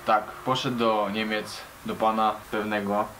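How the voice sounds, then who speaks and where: A man's voice: lowish voice, level tone, measured pace, pushed and bright, slight background noise, rough recording. A young man talking casually to camera in a small garage, rambling and slangy, often calling his viewers buddies. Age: young adult. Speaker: vlogger. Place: small garage with brick walls.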